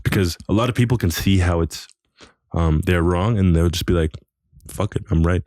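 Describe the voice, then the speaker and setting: A young man talking in a casual podcast chat, rambling and halting, full of slang and restarts. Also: deep voice, darkish tone, no echo, studio quality. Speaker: podcast host.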